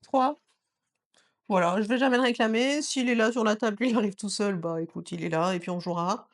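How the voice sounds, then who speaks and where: This woman speaks fairly quickly at medium pitch as a co-host of a laid-back board game review chat. French is not her native language, and she comes across as playful and hesitant, using lots of fillers.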